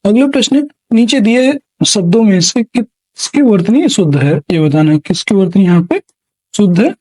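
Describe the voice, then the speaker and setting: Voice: medium pitch, warm tone, no room sound. A Hindi exam-prep teacher working through multiple-choice spelling questions, reading each option aloud, repeating words and naming the right answer. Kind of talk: classroom lesson on spelling questions.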